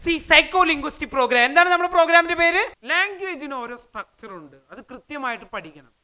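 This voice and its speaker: A woman from Kerala, teaching spoken in an energetic, emphatic way, firing off rhetorical questions and mixing into her talk. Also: sits high, quick pace, faint music behind. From Kerala, India. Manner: energetic, emphatic, fires rhetorical questions, mixes English into Malayalam. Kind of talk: motivational language lesson.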